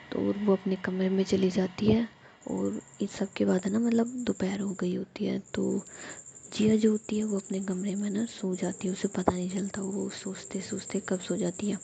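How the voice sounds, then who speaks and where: A woman casually narrating a love story, softly and half-whispered, with chatty filler tags. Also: medium pitch, gravelly, a little hiss or hum.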